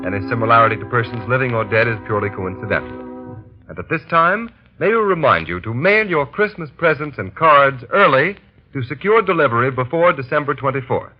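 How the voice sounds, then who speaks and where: Lively 1930s radio announcer, a man. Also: mid-range voice, fairly quick. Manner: upbeat, emphatic. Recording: muffled old radio recording with music.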